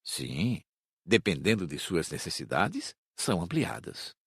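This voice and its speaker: A man reading an audiobook in a measured, expressive way. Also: deep voice, gravelly, husky, dry recording, clean studio sound. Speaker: audiobook narrator.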